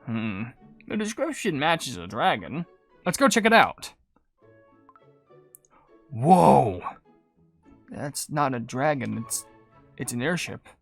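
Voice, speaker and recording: A young gingerbread hero read aloud by a man from a cute fantasy game. He sounds friendly and full of curiosity, speaking softly low over music. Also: big pitch swings, slow pace, gravelly, pauses often, full character voice. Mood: concerned.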